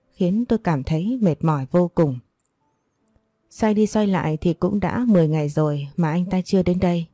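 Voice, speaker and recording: A woman with a low, mellow voice reads a dramatic first-person story aloud. Her delivery is steady and earnest, recorded dry and close with no room sound. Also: no room sound.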